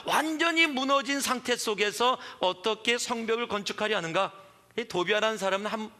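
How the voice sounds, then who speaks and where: Bright, high-voiced preacher in a hall. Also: male voice. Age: 40s. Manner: animated storytelling, acting out quoted voices. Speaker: pastor. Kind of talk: sermon. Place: church sanctuary. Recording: reverberant church hall.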